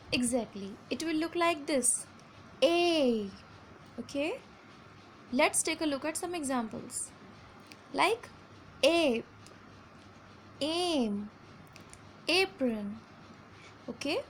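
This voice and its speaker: A woman with a high, light voice and an Indian English accent teaches vowel sounds to children. She slows down to stretch each example word and slips between English and Hindi. A faint hum of ambience sits under her voice. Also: a bit bright. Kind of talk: phonics lesson for children.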